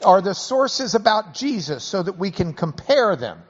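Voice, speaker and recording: A man's voice: high voice, sing-song. Folksy Texan man hosting in a hall. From Texas. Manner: folksy and joking, slows things down to explain. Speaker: host. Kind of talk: live interview before a class. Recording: dull audio with long hall reverb.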